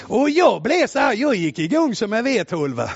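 A male preacher telling a story in a sermon, loud and exclamatory, swinging from shouting to hushed tones. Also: very high-pitched, sing-song, vocal fry. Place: church. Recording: muffled lo-fi recording.

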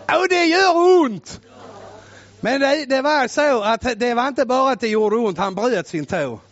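High-pitched gravelly guy preaching loud, swinging from yelling to quiet, muffled church recording. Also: expressive. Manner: loud, exclamatory, swings from shouting to hushed. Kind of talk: storytelling sermon.

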